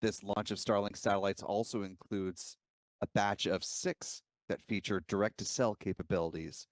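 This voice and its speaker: A man's voice: fairly low pitch, fairly even intonation, normal speed, dry recording. A man giving live, explanatory commentary as host of a launch webcast.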